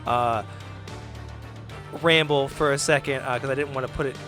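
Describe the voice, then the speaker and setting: A man's voice: mid-range voice, steady tone, moderate pace, a bit bright. A man, the podcast host, casually addressing listeners in a rambling way with fillers. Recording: music bed behind voice.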